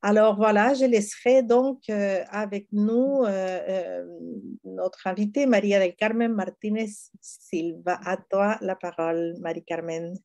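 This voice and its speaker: Mellow-voiced woman moderator. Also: mid-range voice, a little slow. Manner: fluent with frequent fillers and restarts. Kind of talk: formal introduction of a guest.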